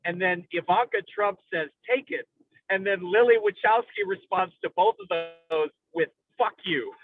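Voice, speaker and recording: A man in an analytical, conversational film discussion, speaking in an intellectual, halting way with academic vocabulary as he searches for words. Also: high voice, faint music behind. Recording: tinny phone-like radio-style sound.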